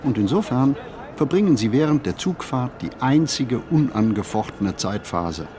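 A man playing a pensive city wanderer in a radio play, narrating a literary monologue with deliberate, measured phrasing and pauses. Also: medium pitch, animated, a crowd in the background, lightly acted. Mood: reflective. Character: pensive male city wanderer musing on modern life. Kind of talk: scripted literary monologue, reflective first-person narration.

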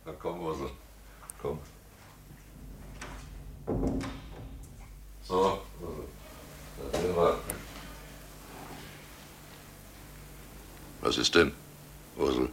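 An actor in a German radio play, playing a guilty, domineering and slyly jovial village innkeeper with a gravelly voice. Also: male voice, rumbling low, a little slow, noisy background. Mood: coaxing.

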